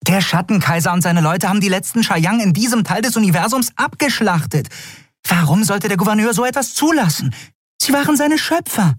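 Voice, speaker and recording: A man voicing a small winged, horned female creature who speaks in panicky, shrill outbursts. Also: animated, moderate pace, no room sound, studio quality. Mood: panicked.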